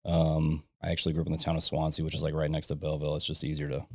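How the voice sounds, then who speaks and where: A man in his thirties from southern Illinois, a guest on a podcast, chatting in a relaxed way with frequent laughs and "you know what I mean". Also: extremely low pitch, racing, no echo, studio quality. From southern Illinois, USA. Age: 30s. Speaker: podcast guest, ironworker and business owner. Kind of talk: casual conversation. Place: podcast studio.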